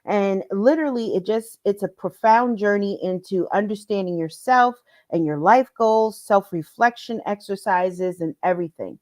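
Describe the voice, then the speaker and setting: A woman's voice: mid-range voice, normal speed, hardly any pauses, darkish tone. A middle-aged woman life coach leading a live-streamed lesson, her voice a little congested from allergies, speaking directly to her viewers in an upbeat way.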